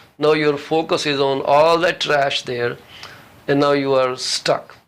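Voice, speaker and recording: On a very clean recording with a silent background, a man with a fairly high pitch speaks slowly in a normal speaking voice. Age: middle-aged. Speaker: TV talk show host. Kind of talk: interview.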